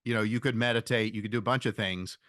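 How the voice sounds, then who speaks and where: Thoughtful, halting man, dry close sound. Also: on the low side, fairly even intonation, fairly bright tone, dry recording. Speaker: podcast guest, investor. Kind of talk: reflective conversational interview answers.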